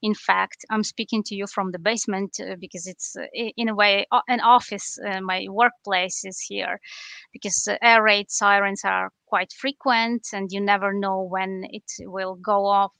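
A woman from Western Ukraine, Ukrainian native speaker, answering interview questions in a thoughtful, steady way from a basement over a video call. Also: medium pitch, moderate pace, creaky, no room sound, low-quality recording. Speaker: journalist guest.

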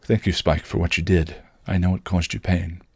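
A man voicing a gentle, timid young woman, earnest and soft-hearted, in a story reading. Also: sits low, little pitch movement, normal speed, breathy edge, dry recording, studio quality. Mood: timid, grateful.

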